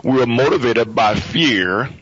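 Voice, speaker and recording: A man's voice: mid-range voice, expressive, unhurried, a bit bright, a little hiss or hum. A man hosting a radio interview, asking long, rambling questions with many restarts. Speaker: radio host. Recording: dry, muffled radio studio audio.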